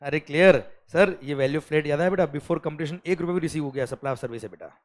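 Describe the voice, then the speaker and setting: Animated coaxing male teacher. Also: a little high. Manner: animated, coaxing, mixes English phrases, calls students beta; reads legal text slowly, word by word. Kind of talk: lecture.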